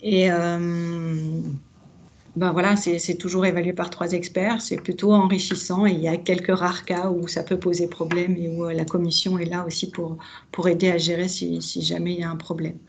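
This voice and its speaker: Flat, gravelly low woman. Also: normal speed. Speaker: expert evaluator panelist. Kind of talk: webinar discussion.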